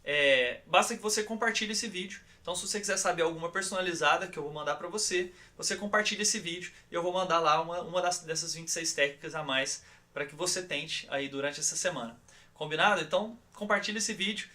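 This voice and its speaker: A Brazilian man leads an online course lesson in a calm, guiding manner. His voice sits a touch higher than most men's and has a bright, forward edge. He often pauses to check in with listeners. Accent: Brazilian Portuguese. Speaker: course instructor.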